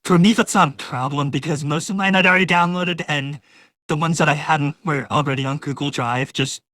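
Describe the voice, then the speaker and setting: A man giving a casual, rambling software walkthrough, his voice processed by a real-time AI voice changer. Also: fairly high pitch, fairly even intonation, a little fast, no room sound, clean studio sound. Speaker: host demonstrating voice changer software.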